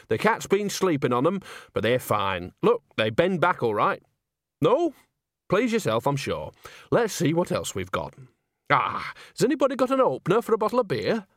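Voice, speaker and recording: Man voicing a chatty, folksy older countrywoman, lifted pitch. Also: fairly bright tone, no echo, clean studio sound. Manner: chatty, rambling, dialect grammar.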